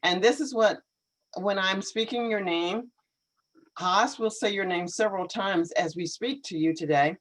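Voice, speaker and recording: A woman hosting a live online English lesson, speaking carefully and encouragingly with clear articulation. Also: mid-range voice, unhurried, poor audio.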